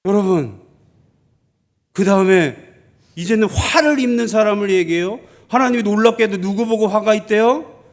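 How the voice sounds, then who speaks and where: A male pastor preaching a sermon, asking rhetorical questions and answering them himself, repeating lines for emphasis, at times dropping to a soft plea. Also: moderate pace. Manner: drops to a soft, low voice for pleading.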